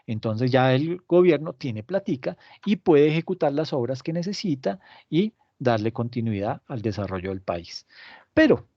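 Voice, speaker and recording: A man's voice: mid-range voice, sing-song, moderate pace, warm tone, dry recording, lo-fi sound. Man explaining with sarcasm. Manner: acts out imagined dialogues between government and banks, sarcastic. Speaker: podcast host explaining economics. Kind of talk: casual explanatory podcast talk.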